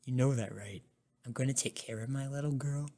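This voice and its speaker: A woman voicing a caring, dominant young college boyfriend in an ASMR roleplay, with a hushed, soothing and commanding manner. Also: a bass voice, fairly quick, pitched below the performer's own voice. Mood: tender.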